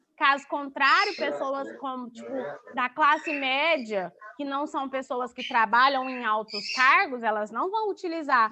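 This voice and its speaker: A woman with a Goiás accent uses a raised, projected voice at a high pitch, talking fairly slowly with lively intonation and big swings in loudness over noticeable background noise. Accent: Goiás caipira. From Brazil, Goiás. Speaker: primary school teacher. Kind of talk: online class lesson. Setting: video call. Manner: informal, colloquial.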